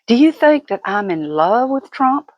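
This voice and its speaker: Older lady vlogging, slow talker, kinda fussing and folksy, opinionated, dry sound no echo. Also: fairly high pitch, big pitch swings, highs cut off. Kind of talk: casual opinionated monologue.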